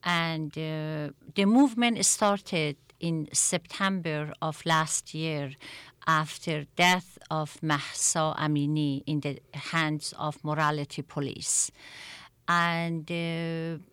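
Slow, low-voiced woman from Iran. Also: fairly even intonation, fairly bright tone, clear, resonant tone, dry recording. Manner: halting, many repeated words and restarts. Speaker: guest, attorney and activist. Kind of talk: interview answers.

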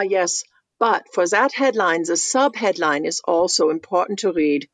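A woman playing a dry, deadpan installation artist in a radio comedy sketch. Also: medium pitch, no room sound, close to an everyday voice.

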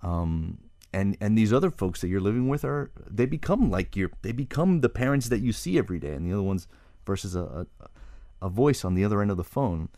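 A man hosting an interview poses long, meandering questions with plenty of fillers. His voice sits low, and the recording is dry and close. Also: expressive, a little fast, warm tone, dry recording. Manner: thoughtful, rambling questions with fillers. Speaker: radio interview host. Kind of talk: conversational interview.

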